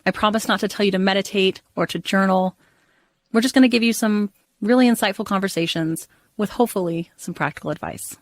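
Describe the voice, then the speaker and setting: A woman's voice: medium pitch, brisk. A woman who works as a therapist, reading a scripted promo for her own podcast in a reassuring, plainspoken way.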